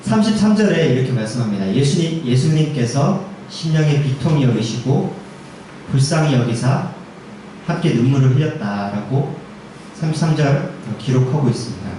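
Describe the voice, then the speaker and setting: A man's voice: mid-range voice, animated, moderate pace, dark tone, slight background noise. A man, a junior pastor, preaching a sermon in a church in a conversational way, often putting questions to the congregation. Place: church sanctuary. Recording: echoey church hall, mic far off.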